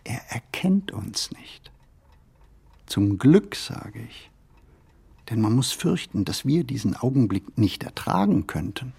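An actor playing a pensive, hesitant city stroller in a radio play monologue, speaking deliberately and haltingly with a husky voice. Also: male voice, mid-range voice, sing-song, darkish tone, full character voice. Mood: hushed musing. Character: male pensive, hesitant city stroller musing on everyday life.

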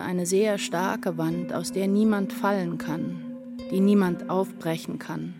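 An actress playing an anguished woman writer narrating her despair in a deliberate, intense literary radio drama monologue. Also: mid-range voice, vocal fry. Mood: hushed, fatalistic. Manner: deliberate, intense, incantatory short phrases.

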